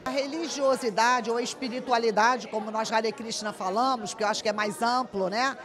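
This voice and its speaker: Older woman, high-pitched, emphatic interview at a busy event. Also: steady tone, brisk, a crowd in the background. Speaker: interviewee, religious representative. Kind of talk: interview answer. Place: busy indoor event venue. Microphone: handheld interview mic.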